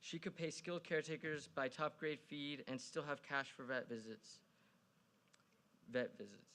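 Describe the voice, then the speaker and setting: A man's voice: a little high, fairly even intonation, normal speed, bright, forceful tone. A man reading prepared public remarks to a council in a pointed, critical, argumentative way. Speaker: public commenter at a city council meeting. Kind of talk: prepared speech, read out.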